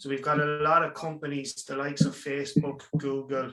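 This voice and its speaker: A man speaks at a fairly high pitch and a moderate pace. His intonation is monotone and flat. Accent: Irish. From Ireland, Galway. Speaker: real estate agent. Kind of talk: interview. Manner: halting.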